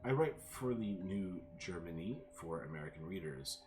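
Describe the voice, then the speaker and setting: An adventurous, danger-seeking American journalist in a game, read out by a man in his own voice, pitched low and deep. Game music plays clearly underneath. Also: animated, normal speed. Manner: read aloud in the streamer's own voice. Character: adventurous male American journalist, self-styled danger seeker.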